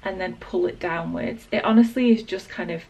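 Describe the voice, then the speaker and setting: Northern English woman, late 20s, croaky with a sore throat, gravelly, rambling vlog chat. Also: lowish voice, normal speed, recorded from a distance, rough recording. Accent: Northern English, Lancashire. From England. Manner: relaxed, rambling, lots of ums and likes. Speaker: beauty vlogger. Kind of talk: casual hair tutorial. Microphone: small external mic.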